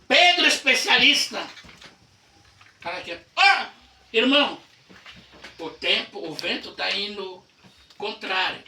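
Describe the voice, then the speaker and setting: A male pastor from Brazil preaching a sermon with dramatic storytelling that swings between hushed lines and shouts. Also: high voice, animated, slow, pauses often, slight background noise. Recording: echoey church heard from a distance.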